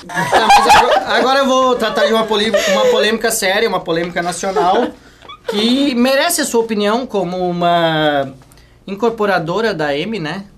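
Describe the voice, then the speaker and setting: A man's voice: sits high, a little fast, a bit bright, slight background noise. A man co-hosting and asking questions in a playful, mock-formal way. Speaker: co-host. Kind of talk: casual interview.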